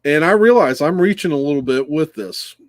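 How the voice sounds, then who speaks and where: A man's voice: on the high side, lively intonation, brisk, dry recording. Laid-back guy co-hosting, lots of ums and chuckles, dry sound. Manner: easygoing, hesitant, chuckling. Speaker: co-host of a football picks show. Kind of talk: casual sports chat.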